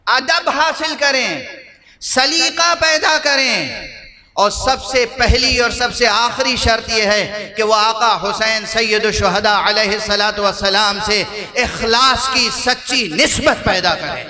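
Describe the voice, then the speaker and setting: A man's voice: high-pitched, fairly even intonation, pushed and bright. A man preaching a majlis sermon in a hall, putting rhetorical questions to his listeners and repeating key phrases for emphasis. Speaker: Shia religious scholar.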